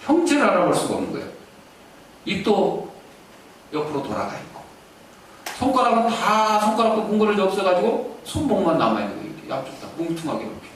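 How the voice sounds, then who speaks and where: Animated preacher in an echoing church. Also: male voice, high-pitched, quick pace. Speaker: pastor. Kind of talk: sermon. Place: church sanctuary. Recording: echoey church, distant mic, faint hiss.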